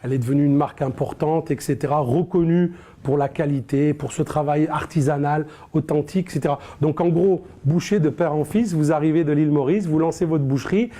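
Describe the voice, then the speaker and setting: A man hosts an interview on a studio set, leaning on fillers and restarting his sentences often. His voice sits a little high but with a mellow, dark tone. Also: fairly quick, few pauses. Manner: hesitant, many fillers and restarts. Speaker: interview host.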